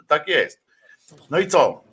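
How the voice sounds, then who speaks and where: A man with a fairly high, bright and forceful voice rambles through live-stream commentary. He hesitates often and drops crude slang. His talk stays loose and unscripted. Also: lively intonation, moderate pace.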